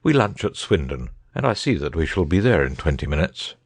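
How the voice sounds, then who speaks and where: A man voicing a brilliant detective, measured and precise in delivery. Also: extremely low pitch, sing-song, vocal fry, slightly rough, no room sound, clean studio sound, heavily acted. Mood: breezy. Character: brilliant male detective, dry and assured.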